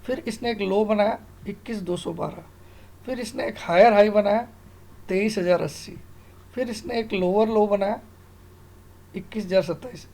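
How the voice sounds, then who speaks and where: A middle-aged man with a gravelly, creaky voice walks through material as an informal tutor. He sounds sure of himself, stresses key terms and keeps asking the listener questions. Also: sits high, moderate pace, long pauses, a little mellow. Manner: repeatedly questions and checks with the listener. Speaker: stock market analyst and online tutor. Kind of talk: informal screen-tutorial explanation of trading charts.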